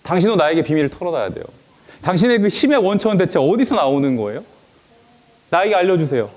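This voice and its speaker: Man doing a wheedling young woman in a storybook telling, higher and lively. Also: quick pace. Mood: coaxing. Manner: wheedling, sulky. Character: young woman coaxing and pleading.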